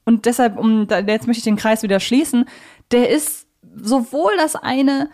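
A woman's voice: a little high, normal speed, darkish tone. A woman co-hosting a talk podcast, reflecting aloud in a conversational, analytical way and explaining her view point by point. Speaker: podcast co-host.

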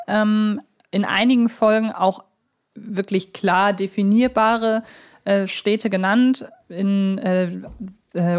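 A woman from the north of Germany co-hosts a podcast. Her voice has an average pitch for a woman. She speaks in a casual, conversational discussion style. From Hamburg, Germany. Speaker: podcast co-host.

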